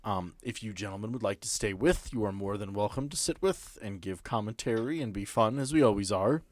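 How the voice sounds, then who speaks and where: A man acting as game master, narrating a tabletop role-playing game in a deliberate, descriptive way with pauses mid-sentence. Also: fairly low pitch, no room sound. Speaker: game master and host of an actual-play podcast. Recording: background music under the voice.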